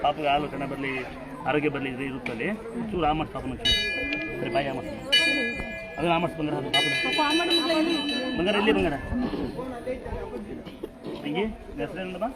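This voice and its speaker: A man with a Kannada accent, a temple priest instructing and blessing devotees at a fast, forceful pace. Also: fairly high pitch. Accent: Kannada, Karnataka. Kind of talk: loud public address to devotees. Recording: loud crowd behind.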